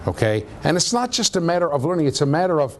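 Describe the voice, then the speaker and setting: Male professor, low voice, animated pitch, keeps asking "okay?", classroom tape with light noise. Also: fast talker. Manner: conversational, checks understanding with frequent "okay?". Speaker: university lecturer. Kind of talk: classroom lecture. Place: lecture room.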